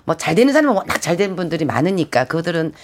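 A woman's voice: lowish voice, sing-song, fast talker. A woman guest singer with a Gyeongsang accent, chatting modestly and laughing at herself. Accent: Gyeongsang Korean. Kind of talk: casual chat.

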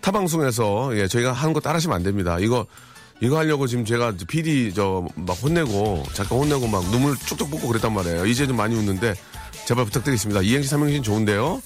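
A man's voice: medium pitch, animated, fast talker, faint music behind. A man hosting a live radio show, joking and giving mock-stern warnings to listeners. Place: radio studio.

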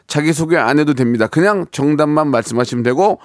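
A man's voice: fairly high pitch, quick pace, dry recording, studio quality. A man hosting a live radio quiz like a game show host, chatting casually and repeating phrases for emphasis.

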